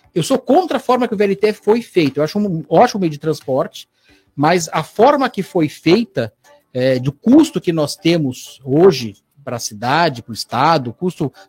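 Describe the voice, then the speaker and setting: A man's fairly high voice at a moderate pace, with very wide pitch swings and a dry, close sound with no echo. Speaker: business director. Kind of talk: radio panel discussion.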